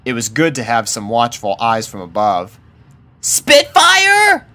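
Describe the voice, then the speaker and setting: A man's voice: lowish voice, moderate pace, fairly bright tone. A man reading a scripted story aloud as the narrator of fan fiction.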